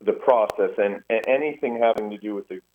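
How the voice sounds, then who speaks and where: Man on a tinny phone line. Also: fairly low pitch. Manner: earnest, halting with many restarts. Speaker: guest historian. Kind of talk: radio interview by phone.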